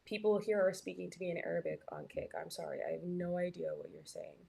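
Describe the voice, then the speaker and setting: A woman's voice: on the low side, wildly swooping pitch, fast, gravelly, dark tone, breathy edge. A young woman from Canada, chatting casually as a live stream host while reading her chat, with lots of "like" and "um". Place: hotel room.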